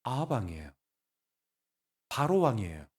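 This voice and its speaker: A man preaching a Sunday sermon as pastor, animated and conversational, blunt and colloquial, asking his congregation rhetorical questions. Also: medium pitch, moderate pace, breathy edge. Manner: blunt, colloquial, laughing at times. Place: church sanctuary.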